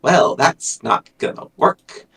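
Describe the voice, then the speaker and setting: A man's voice: takes it slowly, a bit bright, far from the mic. A man speaking as a guest author in a casual livestream chat, with a dry, self-deprecating manner. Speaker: guest, science fiction author.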